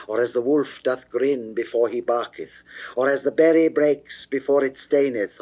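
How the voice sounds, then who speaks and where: A man with a lowish voice gives a dramatic reading of Elizabethan narrative poetry, theatrical, measured and declamatory in delivery. The recording is rough.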